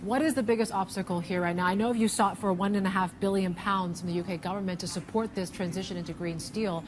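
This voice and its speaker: A woman's voice: mid-range voice, fairly even intonation, quick pace, slight background noise. A woman journalist asking questions in a business interview.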